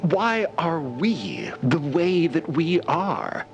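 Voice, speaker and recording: An actor playing an eager, optimistic scholar-explorer in an audio drama, with florid, formal, wonderstruck phrasing. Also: male voice, a little high, very animated, extremely slow, muffled recording, soft background music, exaggerated voice. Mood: awed, earnest. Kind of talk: audio drama acting as an interviewee.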